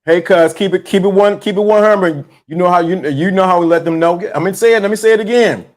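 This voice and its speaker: A man hosting a live stream, talking loosely and repeating himself in slangy, animated casual commentary. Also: high voice, fast talker.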